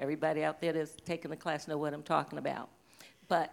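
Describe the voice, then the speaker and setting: Vocal fry marks a woman's speech. Her pitch is very deep and low. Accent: American. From western South Carolina. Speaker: church member. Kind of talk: testimony. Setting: church stage with congregation.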